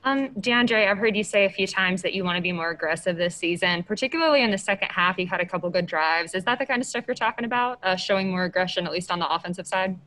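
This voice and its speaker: Female journalist, rapid delivery, bright forward tone, press question. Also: mid-range voice, poor audio. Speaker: reporter asking questions. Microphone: remote call.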